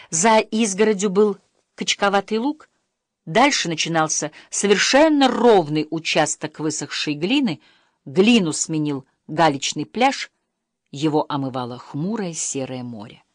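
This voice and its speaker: Woman narrator for an audiobook, fairly low voice with a lively, expressive delivery, dry close-mic studio sound. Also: no room sound. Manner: expressive storytelling.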